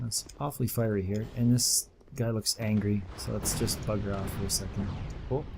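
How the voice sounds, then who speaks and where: A man with a Canadian accent speaks at a fairly low pitch, with a relaxed, dark, mellow tone and ordinary pitch variation. His voice is somewhat breathy. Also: moderate pace. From Canada. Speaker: gaming video creator. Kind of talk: let's play commentary. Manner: casual, relaxed.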